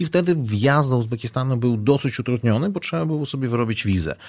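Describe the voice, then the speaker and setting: Speaking at a very fast pace, a man at medium pitch uses lively intonation on a very clean recording with a silent background. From Uzbekistan. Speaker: lawyer. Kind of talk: interview.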